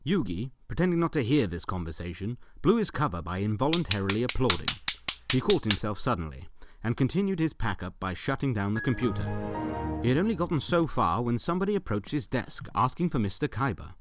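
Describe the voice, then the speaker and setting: A man's voice: mid-range voice, very animated, fairly quick, loud music behind the voice, close to an everyday voice. A man playing a genial fireside storyteller, narrating an audio drama in a wry, theatrical way.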